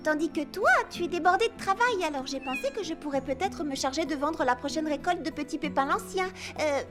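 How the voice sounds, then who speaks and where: A kind, upbeat little cartoon heroine, played by a woman, speaking politely and encouragingly in French dub style. The voice is very high and girlish, over clear background music. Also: brisk, close to an everyday voice. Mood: earnest. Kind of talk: French animated children's dub. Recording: background music under dialogue.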